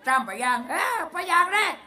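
A man voicing a rowdy, crude male village clown in a live shadow-puppet comedy, speaking with a Southern Thai accent, shouting and laughing through rapid-fire guesses. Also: a faint crowd. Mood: boisterous. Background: live folk music band.

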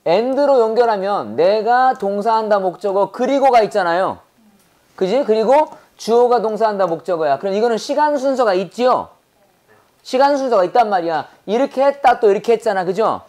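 A woman with a Korean accent teaches an English grammar lesson. She fires short questions at her students one after another. She slows right down to drill English phrases for them to repeat. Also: mid-range voice, expressive, warm tone. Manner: quizzing students with rapid rhetorical questions. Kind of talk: classroom grammar lecture.

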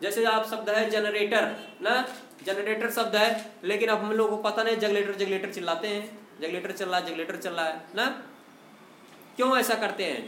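A man with a high voice and a North Indian accent teaches a classroom lesson at the board. He keeps quizzing the class and checking that they have understood. The room is echoey, with faint noise behind him. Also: fairly bright tone. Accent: North Indian, Uttar Pradesh. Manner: repeats questions to the class and asks for confirmation. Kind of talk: classroom lecture.

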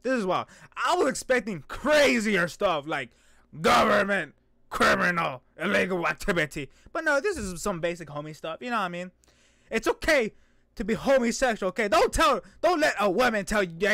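A man's voice: high-pitched, very animated, moderate pace, vocal fry, pushed and bright, no room sound, studio quality. A young man hosting a reaction video with casual, playful, joking and exclamatory commentary. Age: young adult. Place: small indoor room.

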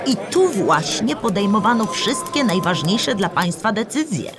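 A woman's voice: medium pitch, very animated, measured pace, over music. A woman playing a kindly old storybook animal who patiently explains history to a child in a children's audio play. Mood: patient, explaining. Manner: patient, clear explaining in simple words.

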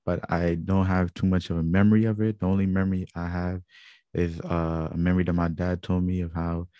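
A young man with a Guyanese accent talks through his own story in an earnest, reflective way, often stopping on fillers. His voice sits very low and moves little in pitch. The sound is dry and close. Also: level tone, a little fast, mellow, no room sound, muffled recording. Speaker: channel host. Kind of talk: personal testimony vlog.

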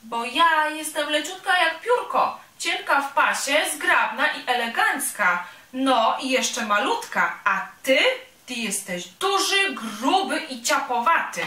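A woman voicing a tiny, vain female insect who teases and boasts in a high, mocking voice, for a storybook reading. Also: expressive, slow, pushed and bright, heavily acted. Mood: teasing. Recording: roomy sound from a distant mic.

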